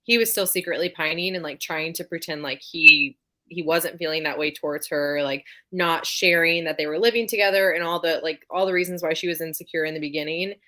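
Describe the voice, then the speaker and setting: A woman's voice: deep voice, a little fast, bright, forceful tone. A woman in a casual book discussion on a live show, often searching for her words.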